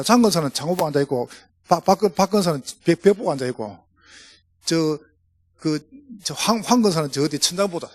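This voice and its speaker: A middle-aged male pastor with a Gyeongsang Korean accent tells jokey stories from the pulpit. His fairly high voice rises and falls a great deal and has a husky edge. The sound is close and dry. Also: no room sound. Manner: storytelling, jokey, animated. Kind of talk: humorous sermon to pastors. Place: church.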